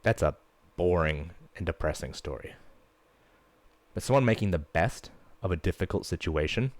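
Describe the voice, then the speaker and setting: A man's voice: low-pitched, animated, normal speed, darkish tone, dry recording. A man hosting his own fitness podcast as a coach, talking in a blunt, fired-up way and swearing casually. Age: young adult to middle-aged parent. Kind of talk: casual solo podcast monologue.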